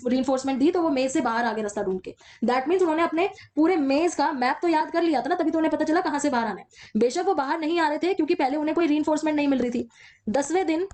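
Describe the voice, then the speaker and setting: A woman teaching an exam-prep class at a brisk clip. She works through the material step by step and slows down to read English textbook lines between her own explanations. Her voice sits high. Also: darkish tone.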